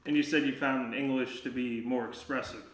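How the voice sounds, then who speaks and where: A man's voice: mid-range voice, steady tone, moderate pace, a bit bright. Hesitant male podcast host, echoey room. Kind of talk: casual interview chat.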